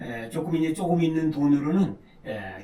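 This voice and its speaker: A man's voice amid noticeable background noise. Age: 70s. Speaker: retired pastor and missionary. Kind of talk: interview.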